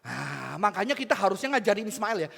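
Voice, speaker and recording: A man preaching a lively, playful sermon to young people, coaxing and shouting along with the crowd. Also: high voice, fast talker, gravelly. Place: large church hall. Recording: church hall reverb with faint music.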